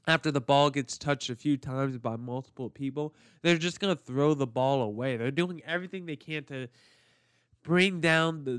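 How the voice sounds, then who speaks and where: A man's voice: medium pitch, smooth, no echo, studio quality. A man hosting a sports podcast in a conversational way, sounding slightly nasal and congested from allergies. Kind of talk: casual solo podcast commentary, with read-out sponsor spots.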